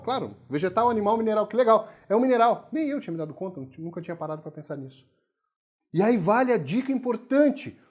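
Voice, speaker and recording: Emphatic male teacher. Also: high voice. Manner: emphatic and lively, asks rhetorical questions and answers them. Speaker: writing teacher. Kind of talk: video writing lesson.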